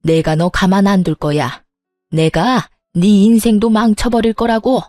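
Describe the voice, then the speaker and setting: Woman doing a furious older mother-in-law, threatening, vicious, storybook, dark tone. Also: medium pitch, steady tone, measured pace, no room sound, studio quality, soft background music, natural voice. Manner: shouting threats.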